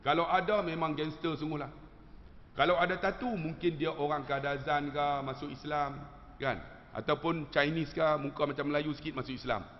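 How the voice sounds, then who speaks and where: A man preacher with a Malaysian Malay accent telling an animated, humorous story to his congregation. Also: fairly high pitch, moderate pace. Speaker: religious teacher. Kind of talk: storytelling sermon. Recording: dull lo-fi sound with long hall reverb.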